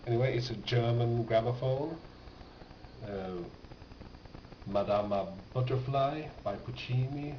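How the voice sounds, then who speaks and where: A man's voice: medium pitch, unhurried. A man giving a casual, unscripted show-and-tell as a record collector, hesitant and rambling as he thinks aloud. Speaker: record collector presenting his finds. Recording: roomy, distant, muffled, noisy home recording.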